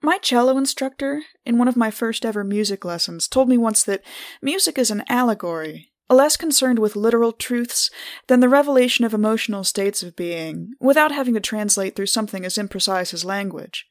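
A woman playing an introspective, unsettled adventurer, narrating her own story in reflective, measured, literary phrasing with deliberate pauses. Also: on the high side, expressive, dry recording, clean studio sound. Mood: thoughtful, earnest. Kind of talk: scripted first-person narration for an actual-play podcast.

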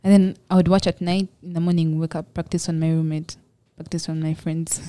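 A woman's voice: sits low, level tone, a little fast, dark tone. A young Ugandan woman with a Ugandan accent, speaking modestly and reflectively as a podcast guest. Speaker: guest, makeup entrepreneur. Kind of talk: casual podcast interview.

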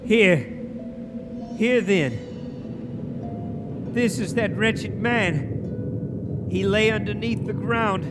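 A desperate old miser in a stage radio play. The voice is very high and slow, declaiming every plea with deliberate weight, with music clearly behind it. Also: male voice. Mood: dread. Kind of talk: theatrical radio play acting. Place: theatre stage, live before an audience. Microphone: shared stage microphone.

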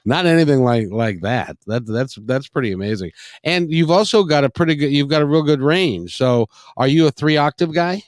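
A man's voice: a little high, lively intonation, moderate pace, no echo. Effusive, rambling man in a dry recording. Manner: effusive, rambling, repeats phrases. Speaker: interview host. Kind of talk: casual music interview.

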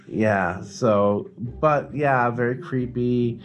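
A man's voice: medium pitch, drawn-out words. A man co-hosting a podcast, chatting casually in a rambling, explanatory way and swearing now and then. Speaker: podcast co-host. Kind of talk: casual chat.

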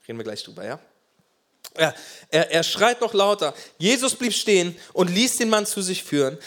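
This male preacher sits high in pitch and lets it swing widely while keeping a normal speed. His sermon is passionate and forceful, shifting between booming urgency and hushed side remarks.

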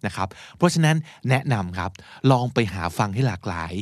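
A Thai man hosting a podcast, teaching English in a chatty, encouraging way with slow explanations. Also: fairly low pitch, sing-song, no room sound, studio quality. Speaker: podcast host. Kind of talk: casual English lesson.

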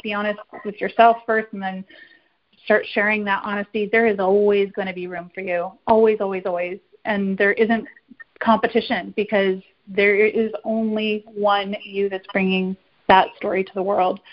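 A woman hosting a podcast, chatting casually and encouragingly, often repeating words for emphasis. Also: medium pitch. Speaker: podcast host. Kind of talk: casual interview chat. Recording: slightly dull lo-fi podcast audio.

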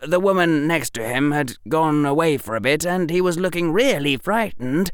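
A reader playing a precocious young boy wizard in an audiobook, his voice pitched well above the reader's own and swinging up and down in lively, expressive arcs. He lectures in a smug, deadpan tone, as if every outrageous act were perfectly reasonable. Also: moderate pace, clear, resonant tone, dry recording, clean studio sound, close to an everyday voice. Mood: explaining. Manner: lecturing, mock-villainous, deadpan. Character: clever theatrical eleven-year-old boy wizard. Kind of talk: audiobook reading.

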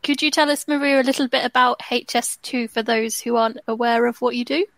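English woman podcast host, upbeat and quick to laugh, fairly high voice, dry close sound. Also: little pitch movement, vocal fry, fairly bright tone, dry recording. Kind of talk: scripted intro then interview chat.

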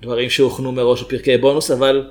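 Deadpan male podcast co-host. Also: mid-range voice. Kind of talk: casual comedic banter.

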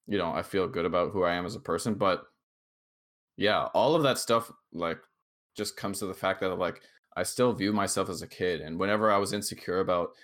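A tipsy man in his twenties, a podcast co-host, chatting casually in a rambling, halting way full of fillers and restarts. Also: low voice, fairly bright tone. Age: 20s. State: tipsy from drinking shots.

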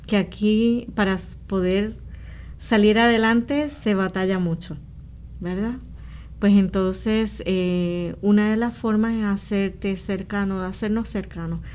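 A woman's voice: mid-range voice, steady tone, a little slow, darkish tone. A woman from Rico, talking earnestly and explaining things as a missionary guest in an interview. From Puerto Rico. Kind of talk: conversational interview testimony.

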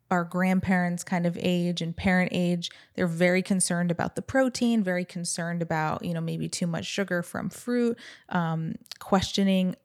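A woman's voice: lowish voice, a little mellow. A young woman hosting an interview podcast, talking in a casual, chatty and informal way. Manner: chatty, informal, quotes others' remarks. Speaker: podcast host.

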